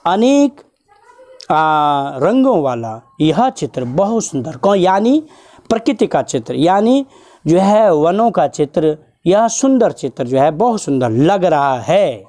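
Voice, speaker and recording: A man teaching a school lesson, going word by word, repeating himself, and chanting verses slowly. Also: fairly high pitch, big pitch swings, mellow. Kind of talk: Sanskrit lesson explanation.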